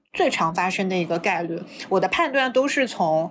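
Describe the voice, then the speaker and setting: A woman speaks in a normal speaking voice at a medium pitch and a fairly quick pace, with ordinary pitch variation. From northern Jiangsu, small town. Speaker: podcast co-host, guest. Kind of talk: casual chat.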